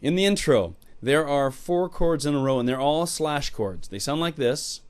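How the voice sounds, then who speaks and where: A man's voice: on the high side, expressive, normal speed. A man teaching a piano lesson in a casual, playful way, joking and exclaiming between chord demonstrations. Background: piano playing.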